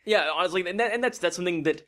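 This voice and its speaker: A man co-hosting a podcast in casual chat, excitable and joking, with frequent swearing. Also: high-pitched, racing. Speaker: podcast co-host.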